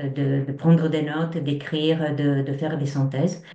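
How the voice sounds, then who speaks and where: In an Italian accent, a woman speaks at a fairly slow pace with a dark, mellow tone. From Italy. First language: Italian (speaking French). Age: 60s. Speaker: interviewee, retired HR professional. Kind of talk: testimony interview. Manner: halting, many hesitations.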